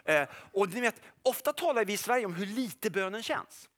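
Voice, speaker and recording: Animated, high-voiced middle-aged preacher. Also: male voice. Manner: animated and jokey, asks the audience "are you with me?". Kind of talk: sermon.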